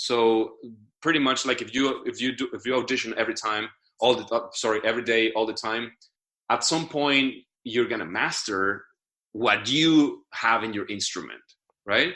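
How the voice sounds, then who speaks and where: This man talks at a moderate pace with a strong Latin American accent. His medium-pitched voice has a bright, sharp tone and ordinary pitch variation. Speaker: voice actor and coach. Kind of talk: interview. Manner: halting, many repetitions and fillers.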